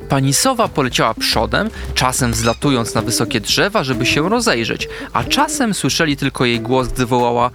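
A man narrating a children's story in a gentle, expressive storytelling manner. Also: medium pitch, normal speed, hardly any pauses. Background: soft music.

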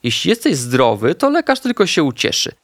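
A gentle mother dog reassures her pup in a soft, soothing voice, as a man reading a children's story plays her. The tone rises and falls a lot. The recording is close and dry. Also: on the high side, wildly swooping pitch, brisk, no echo, voice pushed up, exaggerated voice. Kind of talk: storybook character voice.

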